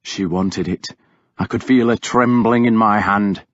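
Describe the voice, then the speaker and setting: Slow, dramatic male audiobook narrator. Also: on the low side, fairly even intonation, fairly bright tone, no room sound, lo-fi sound. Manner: dramatic, deliberate reading. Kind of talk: scripted first-person novel narration.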